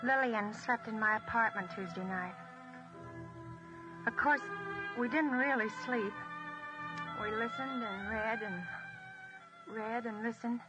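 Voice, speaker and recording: Brief: a thoughtful wartime woman narrating, a touch high, 1940s radio play. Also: slow, long pauses, muffled recording, music in the background. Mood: wistful. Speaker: wartime wife narrating her days.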